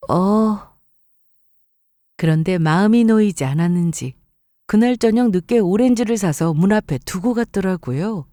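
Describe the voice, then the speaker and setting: A woman's voice: on the low side, warm tone, no echo, clean studio sound. A woman reading a scripted first-person story as a narrator.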